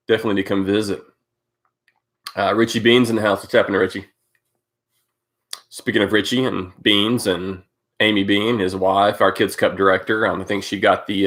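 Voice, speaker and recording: A man's voice: lowish voice, a bit bright. A man hosting a casual live stream, stuffed up from a cold, rambling with many fillers as he greets viewers by name. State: congested from a cold. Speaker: host of a live cycling update stream.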